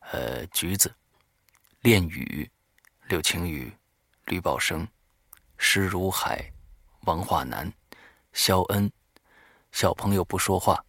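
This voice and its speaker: Guy hosting an audio show, low husky voice, dry recording, just chatting to listeners. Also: fairly bright tone, no echo. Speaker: horror audio show host. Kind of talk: semi-scripted talk to listeners.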